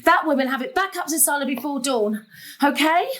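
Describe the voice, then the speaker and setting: A long-suffering middle-aged mother in a drama. Her voice is high and swings widely in pitch. She sounds exasperated and emotional as she manages her family. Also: lively intonation, brisk, fairly bright tone. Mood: urgent, organising. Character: harried, long-suffering mother caring for mother and daughter. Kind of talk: naturalistic drama acting.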